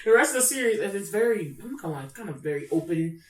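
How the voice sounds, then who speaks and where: A woman's voice: medium pitch, sing-song, very fast. A woman co-hosting a casual pop-culture podcast in a playful, candid way. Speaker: podcast co-host. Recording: echoey room, distant from mic.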